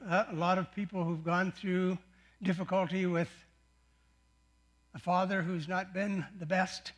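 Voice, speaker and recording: Older male pastor with a high voice. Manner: earnest, unhurried storytelling with soft-spoken prayer. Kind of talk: sermon.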